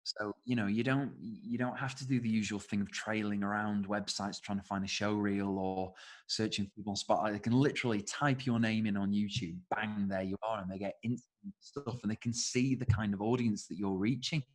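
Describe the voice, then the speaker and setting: A man's voice: on the low side, steady tone, fairly quick. A British man chatting casually as an interview guest, speaking as a voice actor would about his work.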